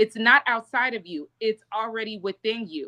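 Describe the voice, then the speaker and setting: A woman at a fairly high pitch and moderate pace, her tone bright, sharp and animated, on a very clean recording with a silent background and a dry, close sound with no echo. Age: 30s. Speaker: community group founder. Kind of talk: interview conversation.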